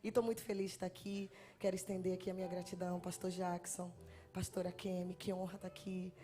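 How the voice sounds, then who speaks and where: A woman's voice: lowish voice, level tone, quick pace, mellow. A woman from Bahia with a Bahian accent, a guest preacher in her thirties, nervously chatting and joking with the congregation into a handheld mic before her sermon. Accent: Bahian Portuguese. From Bahia, Brazil. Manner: chatty, self-deprecating, jokes with the congregation. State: nervous, trembling. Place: church sanctuary.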